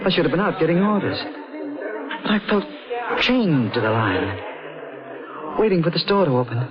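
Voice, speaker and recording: A man's voice: fairly high pitch, big pitch swings, normal speed, a crowd in the background. An actor playing a mild, brooding husband in an old-time radio mystery, sometimes hesitant in his phrasing. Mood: haunted, brooding. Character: mild husband narrating his own unraveling, brooding and haunted. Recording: muffled old radio broadcast with music.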